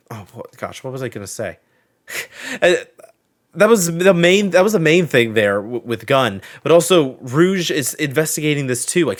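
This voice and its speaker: A man's voice: medium pitch, fairly bright tone. A man giving a casual reaction and review as a video host, thinking aloud and often trailing off to reword his sentences.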